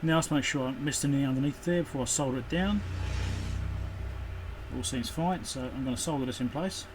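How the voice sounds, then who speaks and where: A man's voice: mid-range voice, brisk, background noise. A man giving an off-the-cuff, casual running commentary as he does hands-on work, with muttered asides. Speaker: electronics repair channel host. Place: indoor electronics workbench.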